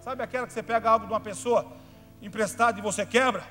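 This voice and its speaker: A Brazilian man, a pastor, preaching a sermon, telling stories in a chatty way that builds to fervent shouting. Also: high-pitched, steady tone, quick pace. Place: church hall. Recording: reverberant church hall, faint music behind.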